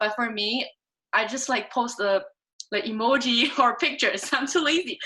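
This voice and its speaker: In a Mandarin accent, a woman speaks with a raised, projected voice. Her pace is moderate. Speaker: discussion participant. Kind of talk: casual group discussion. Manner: halting.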